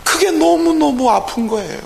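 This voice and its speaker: A man's voice: very high-pitched, expressive, normal speed, creaky, a little hiss or hum. A man pastor preaching an evening worship sermon, emphatic, with rhetorical questions and calls of hallelujah, in a church sanctuary. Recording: echoey church hall, faint ambience.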